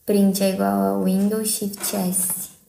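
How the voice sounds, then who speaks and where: A woman's voice: mid-range voice, level tone, takes it slowly, gravelly, mellow, reverberant, a little hiss or hum, poor audio. A young adult woman with a Brazilian accent chatting casually and playfully on a livestream. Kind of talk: casual live-stream chat. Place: small indoor room at home.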